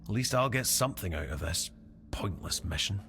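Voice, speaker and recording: An actor playing a weary, proud tribal warrior in a fantasy role-playing game, speaking gravely and deliberately with a fatalistic air. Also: male voice, deep voice, expressive, sharp tone, soft background music, full character voice. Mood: grave, instructive. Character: weary, proud tribal warrior man camped at sealed doors.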